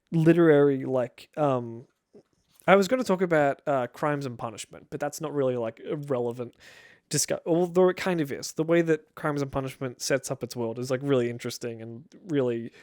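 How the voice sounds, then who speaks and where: A young video creator talks to the camera in a casual, rambling, wry way, constantly interrupting himself. His voice is on the high side, recorded at studio quality on a camera-facing mic with no echo.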